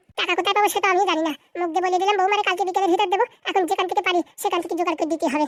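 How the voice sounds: A woman does a cartoonish character voice with an extremely high pitch and fairly even intonation. She races along at a very fast pace with very even loudness.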